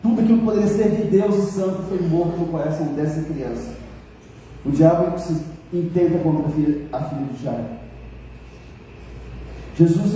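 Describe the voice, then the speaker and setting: A man's voice: a little high, mellow, slight background noise. A man with a Brazilian accent preaching a sermon, telling stories emotionally and addressing the congregation. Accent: Brazilian Portuguese. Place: church. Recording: echoey church hall, voice from far off.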